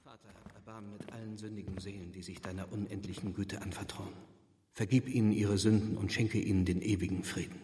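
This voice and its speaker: An actor playing a grieving, guarded Anglican village reverend in a radio play, solemn and stiffly curt. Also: male voice, lowish voice, steady tone, brisk, dark tone, natural voice. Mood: solemn prayer. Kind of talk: German radio play acting. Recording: echoing church-like reverberant space.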